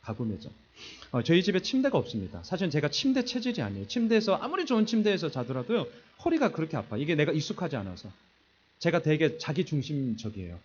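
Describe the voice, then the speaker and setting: A middle-aged pastor preaching, his fairly high voice leaping up and down as he acts out his own story with self-mocking humor. The sound is dull and lo-fi, like an old church video recording. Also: fast, a little hiss or hum. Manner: animated storytelling, acting out quoted voices. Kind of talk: sermon. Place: church sanctuary.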